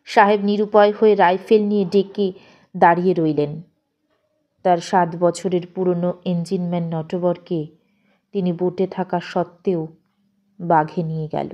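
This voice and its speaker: A woman narrating a literary audio story in an expressive, measured, dramatic way. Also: lowish voice, dull audio.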